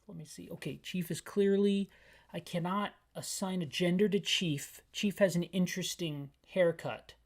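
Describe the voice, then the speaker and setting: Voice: medium pitch, moderate pace. An adult narrator gives a descriptive playthrough of a video game. The delivery is wry and rambling, slipping from scene description into comic opinions and interrupting itself along the way. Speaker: let's player and audio describer.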